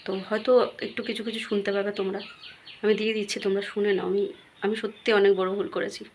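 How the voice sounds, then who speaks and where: A woman's voice: mid-range voice, flat delivery, fast, darkish tone. A woman vlogging confessionally to her viewers, aggrieved and going back over the same points. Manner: aggrieved, repetitive. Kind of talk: confessional vlog talk to viewers. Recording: very noisy room recording.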